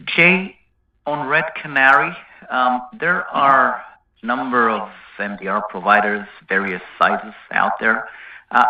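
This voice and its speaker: A man speaking as a financial analyst, asking a polite, unscripted question on an earnings call. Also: on the low side. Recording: roomy, distant, dull call audio.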